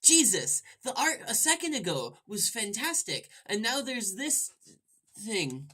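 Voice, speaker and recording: A woman's voice: mid-range voice, very animated, unhurried, sharp tone, breathy edge. A woman hosting a gaming video, playfully reading the script aloud and commenting with irreverent, sudden exclamations. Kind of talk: let's play commentary, joking read-aloud narration.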